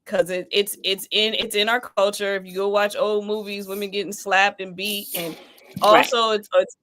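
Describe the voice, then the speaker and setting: A podcast host in her late forties runs a casual live chat, telling stories in an animated, emphatic way full of colloquial asides. Her voice is medium-pitched at normal speed, with a little hiss or hum in the recording.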